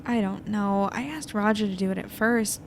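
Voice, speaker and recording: A woman playing an anxious, weary young newspaper editor in an audio drama, confiding and hesitant as she thinks out loud. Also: mid-range voice, moderate pace, lightly acted. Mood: uneasy, doubtful. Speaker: lead narrator of an audio fiction podcast. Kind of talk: intimate naturalistic audio drama monologue. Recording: noisy airplane cabin ambience.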